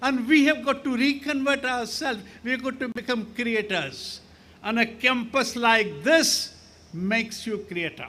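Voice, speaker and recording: A man's raised, projected voice, bright and sharp, at an extremely high pitch, with ordinary pitch variation and a fairly slow pace. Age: 80s+. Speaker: architect. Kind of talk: speech. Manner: halting.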